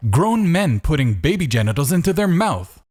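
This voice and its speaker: A man's voice: fairly high pitch, sing-song, normal speed, darkish tone. A man delivering scripted rebuttal commentary as a video host, in a sarcastic manner full of rhetorical questioning.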